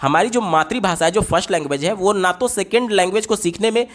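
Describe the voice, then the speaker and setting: A man, a teacher working through exam questions. He reads the English question text slowly and explains it at length, repeating key points. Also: sits high, fairly bright tone. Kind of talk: exam-prep lesson explaining answer options.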